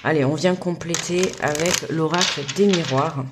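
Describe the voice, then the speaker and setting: A woman's voice: deep voice, moderate pace, very noisy. Woman, casual card reader, informal and talkative, addresses the listener directly and keeps checking in. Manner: chatty, keeps checking in with "d'accord?" and "tu vois". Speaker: tarot guidance reader. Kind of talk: casual card reading to the viewer. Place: home desk.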